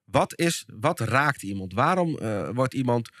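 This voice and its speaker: A man with a Dutch accent, a podcast guest explaining his ideas with frequent restarts and searching pauses. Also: medium pitch, lively intonation, a bit bright, no room sound, clean studio sound. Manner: thoughtful, searching for words with many restarts. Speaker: podcast guest, behavioral scientist and speaker. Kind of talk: casual podcast conversation.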